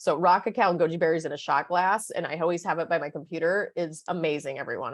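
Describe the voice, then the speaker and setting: The speaker is a woman with a fairly low pitch. She talks at a fairly quick pace. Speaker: nutrition coach. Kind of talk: webinar presentation. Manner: fast; animated.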